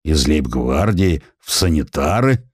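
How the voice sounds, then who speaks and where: A man's voice: rumbling low, very animated, a little slow, husky, no echo, studio quality, exaggerated voice. A man voicing an old, authoritative war minister in an audiobook, commanding and interrogating. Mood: demanding. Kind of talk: audiobook character dialogue.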